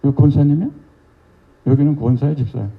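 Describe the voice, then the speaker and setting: An older man, a pastor, preaching a lively revival sermon and teasingly quizzing members of his congregation. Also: medium pitch, quick pace, creaky, narrow, tinny audio. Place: church sanctuary.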